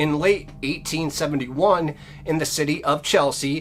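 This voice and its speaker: A man with an American accent and vocal fry, at a fairly slow pace. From Massachusetts, south of Boston. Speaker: true crime storyteller. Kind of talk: storytelling narration.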